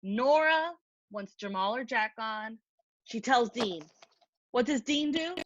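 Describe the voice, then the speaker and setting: A woman's voice: fairly high pitch, slow, slight background noise. A woman co-hosting a podcast in casual chat, giggly and chatty. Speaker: podcast co-host. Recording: dull, dry lo-fi sound.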